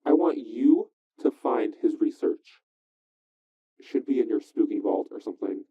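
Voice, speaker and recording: Phone-filtered husky, suspicious man. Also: on the low side, expressive, normal speed. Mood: wary, bargaining. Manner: informal, skeptical, sweary. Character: wary, excitable male conspiracy investigator, sweary and suspicious. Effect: phone line filter. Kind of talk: audio drama dialogue over a call. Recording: thin, narrow-band phone line.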